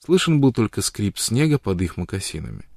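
A man narrating a novel as an audiobook reader, in a calm, measured storytelling manner. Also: lowish voice, creaky, no echo, studio quality. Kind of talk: literary narration.

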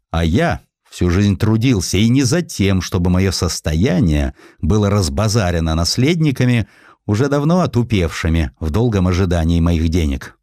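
A man's voice: fairly low pitch, darkish tone, no room sound, clean studio sound. A man voicing a proud, embittered, cynical ageing industrialist in a declamatory, emphatic way for an audiobook. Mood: contemptuous. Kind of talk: acted quotes in an audiobook.

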